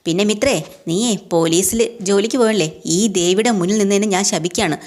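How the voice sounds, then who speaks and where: A woman voicing a spiteful, vengeful older aunt who threatens and curses at a fast clip. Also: medium pitch, a little mellow, lightly acted. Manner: cursing, threatening.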